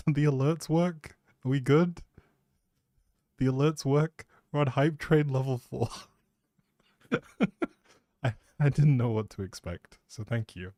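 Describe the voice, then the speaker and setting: Man, mid-pitched voice, unhurried pace, casual livestream rambling, flustered, giggly. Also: warm tone, dry recording, studio quality. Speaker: livestreamer hosting a gaming stream.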